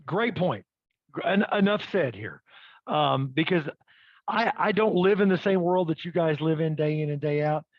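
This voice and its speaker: Man, webinar presenter, upbeat, checks in often, higher voice, dry muffled call sound. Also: lively intonation, moderate pace, no echo. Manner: upbeat, addresses audience with "okay?" and "right?". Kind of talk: live webinar demo.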